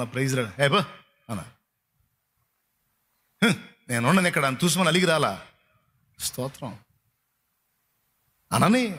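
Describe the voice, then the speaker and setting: A pastor preaching to his congregation in a colloquial, emphatic style, firing off repeated rhetorical questions and scolding gently. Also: fairly high pitch. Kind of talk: sermon to a congregation.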